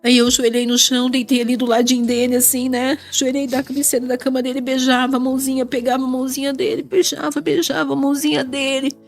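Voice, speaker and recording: A woman's voice: sits high, level tone, quick pace, few pauses, soft background music. A woman with a Brazilian Portuguese accent giving an emotional faith testimony as a mother, crying and repeating her phrases. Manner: tearful, repeats phrases, raises voice in bursts.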